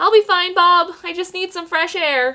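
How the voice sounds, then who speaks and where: The pace stays moderate. A put-on character voice carries the lines. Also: woman. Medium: read story.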